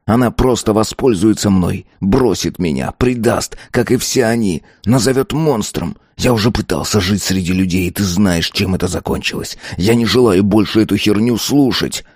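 A man's voice: lowish voice, normal speed, hardly any pauses, darkish tone, slightly rough, no room sound, clean studio sound. A man voicing a bitter, snarling young master. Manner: curt, snarling. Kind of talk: audiobook character voice.

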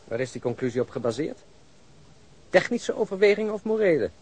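A man's voice: a little high, very animated, fairly quick, darkish tone, breathy edge. A man acting a commanding, probing senior policeman in a Dutch radio drama. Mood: deliberating. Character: commanding senior policeman planning a rooftop operation.

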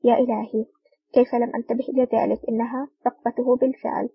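A woman reading the lines of a cold, sharp-tongued male special agent in an audiobook, in a curt, scolding way. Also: very high-pitched, level tone, racing, gravelly, husky, no room sound, highs cut off, exaggerated voice. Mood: triumphant.

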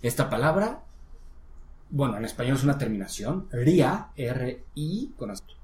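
A man's voice: medium pitch, very animated, moderate pace, a little mellow. A man teaching English one-on-one, explaining patiently and encouraging his student. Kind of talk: one-on-one language lesson. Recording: roomy echo.

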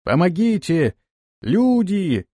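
A man's voice: mid-range voice, a little fast, mellow, no echo, clean studio sound, natural voice. A man voicing a terrified young woman stuck in a swamp, crying for help. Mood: shouting.

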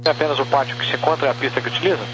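A man with a Brazilian accent working as an air traffic controller, giving procedural, clipped clearances with digits spelled out over a crackly radio. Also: mid-range voice, fairly even intonation, racing. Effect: crackly aviation radio. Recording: noisy crackly radio transmission with hum.

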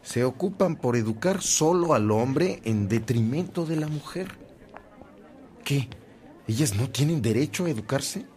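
An actor playing a kindly, zealous Catholic priest in a radio drama, earnest and declamatory. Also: male voice, mid-range voice, lively intonation, a little slow, darkish tone, natural voice.

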